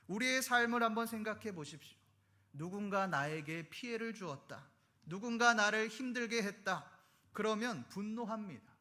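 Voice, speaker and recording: A man preaching a sermon in a notably high, bright and forceful voice. He speaks earnestly as a pastor, pressing rhetorical questions on his listeners. His delivery stays steady and direct.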